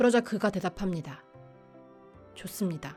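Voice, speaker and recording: Lively intonation from a woman, with music in the background. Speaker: book YouTuber. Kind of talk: book plot summary narration, audiobook-style.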